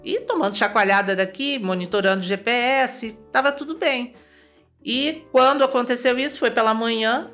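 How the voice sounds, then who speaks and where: A Brazilian woman as an interview guest, telling a personal story in a lively way, acting out remembered dialogue and often tagging her sentences with "né?". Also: a little high, moderate pace, faint music behind. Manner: lively, acts out remembered dialogue, tags lines with "né?".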